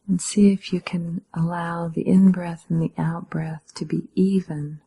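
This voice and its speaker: A woman meditation teacher giving calm, measured guided instruction in a breathy, slightly husky voice, with gentle pauses. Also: on the low side, rough recording.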